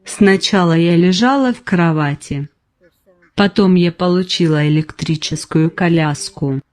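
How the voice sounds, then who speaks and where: A woman in her nineties, speaking slowly in short simple sentences while giving personal testimony as an interviewee. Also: lowish voice, darkish tone. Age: 90s. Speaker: patient interviewee.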